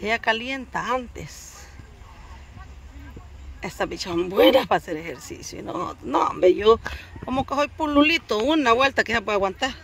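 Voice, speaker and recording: A woman's voice: a little high, animated, moderate pace, a bit bright. A middle-aged woman, chatting and teasing on a football field outdoors. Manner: chatty, teasing, laughing at herself. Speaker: vlogger. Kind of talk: casual chat. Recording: outdoor noise on a phone.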